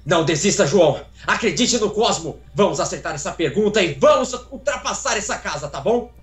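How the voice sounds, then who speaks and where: Brazilian man doing a young hero knight, eager pep talk, slightly high, roomy echo. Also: lively intonation, brisk, soft background music. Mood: encouraging. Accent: Brazilian Portuguese. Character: earnest young male hero knight, encouraging. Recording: roomy home room echo.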